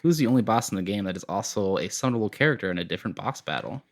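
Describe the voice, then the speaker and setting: A man's voice: fairly low pitch, expressive, very fast. A man hosting a podcast, chatting casually with friends. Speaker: podcast host.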